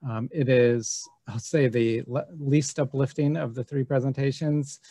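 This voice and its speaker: A man giving an academic conference presentation over a video call, relaxed and hesitant with many fillers. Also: mid-range voice, measured pace, no room sound.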